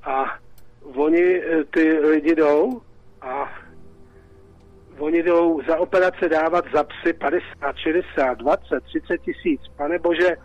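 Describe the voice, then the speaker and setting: Czech male caller, slightly high, agitated and rhetorical; dry, dull phone-in sound. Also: fairly even intonation, dry recording. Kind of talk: call-in radio talk.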